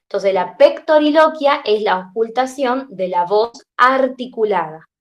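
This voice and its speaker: A woman's voice: a little high, animated, a little slow. A young adult woman teaching a class, tired, explaining step by step and often checking in with her students. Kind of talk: classroom lecture.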